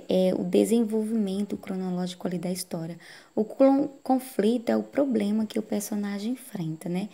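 A woman teaching adult learners in a recorded lesson, her voice mellow and low in brightness with a gravelly edge. She explains step by step, often pausing to ask if the class follows. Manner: explaining slowly with frequent "né?" tag questions.

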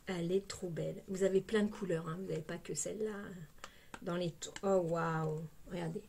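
A Parisian French woman, a casual beauty vlogger, chats through an unboxing in a chatty, exclamatory way, dropping lots of "hein" fillers. Her voice is lowish, creaky and darkish, with a steady tone at normal speed, and there's faint background noise.

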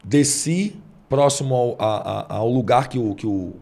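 A man, a preacher earnestly telling a personal testimony on a podcast, going soft and low when moved. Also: a little slow.

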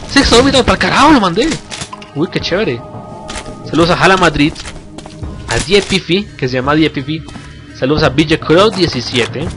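Excitable Colombian man narrating gameplay. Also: on the high side. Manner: excitable, yelps and swears at scares. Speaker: gamer. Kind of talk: let's play commentary. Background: game music.

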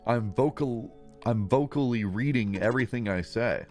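Joking young streamer with a strained voice. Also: male voice, medium pitch, moderate pace, darkish tone, soft background music. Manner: crude, joking, wry asides. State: voice getting strained. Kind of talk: casual gameplay commentary, reading game text aloud. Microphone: streaming microphone.

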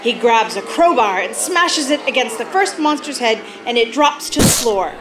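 A woman's voice: a little high, expressive, moderate pace, rough recording. A woman in her thirties giving dramatic scripted narration for a radio play on a stage. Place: theater stage. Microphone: stand microphone. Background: loud music.

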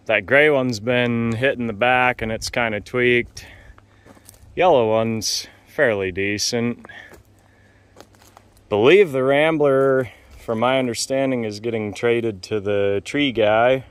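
A man calmly narrating a casual walk-around tour of a wooded car lot outdoors, in matter-of-fact, unhurried remarks. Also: mid-range voice, smooth, dry recording. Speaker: vlogger touring a car lot.

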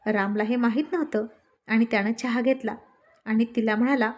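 A woman reading a romance story aloud as scripted narration, steady and expressive. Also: a little high, moderate pace.

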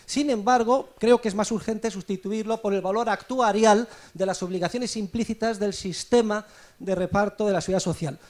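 A man with a high-pitched voice gives an explanation at a conference. He is emphatic and didactic, like an economist making his case. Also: steady tone, moderate pace, a little mellow. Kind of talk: explanatory speech at a conference debate.

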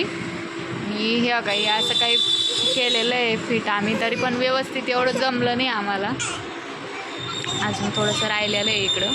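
A young woman talks to her viewers on a phone camera in a small shop, chatty and frank about her busy day. Her voice sits a little high, and the sound of vehicles on a nearby road comes through clearly. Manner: chatty, scolding and coaxing her children. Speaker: vlogger, mother of two small children. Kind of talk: casual family vlog chat to viewers. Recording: phone audio with clear traffic noise. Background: traffic noise from the road.

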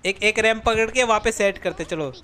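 A man streaming a multiplayer game, laughing a lot, yelling for help and coaching his friends. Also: high-pitched, brisk, smooth. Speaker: gaming streamer. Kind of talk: excited multiplayer gameplay commentary.

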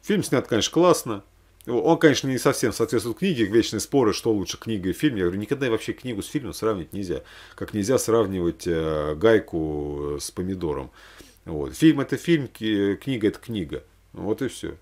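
A man in his forties with a fairly low voice chats casually to the camera. He rambles as he thinks aloud, breaking off for hesitant asides. It sounds like an unscripted home vlog. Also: lively intonation, fairly quick, darkish tone. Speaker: religious vlogger recommending films. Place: small room at home, indoors.

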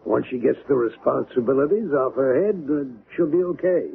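A man's voice: medium pitch, expressive, brisk, vocal fry, husky, full character voice. A man acting in a 1970s radio drama as a stubborn, dismissive fellow with a brusque, colloquial manner. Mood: stubborn, irritated. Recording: tinny, noisy old radio drama recording.

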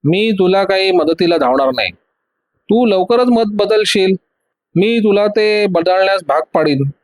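A man's voice: high voice, lively intonation, unhurried, no room sound, voice pushed up. Man doing a menacing gang boss. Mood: threatening. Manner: barking threats and orders. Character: menacing male gang boss, ruthless and scheming.

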